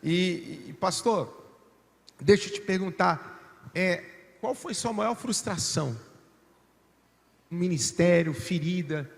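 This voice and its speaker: Male pastor host, mid-high voice, brisk conversational interviewer, roomy hall sound. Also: gravelly. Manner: talks in quick bursts, tags phrases with "né?".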